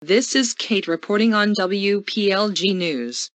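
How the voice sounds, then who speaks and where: A woman's voice: medium pitch, unhurried, loud music behind the voice, natural voice. A woman playing an earnest television news anchor delivering a scripted crisis bulletin. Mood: earnest, urgent. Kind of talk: scripted local TV newscast.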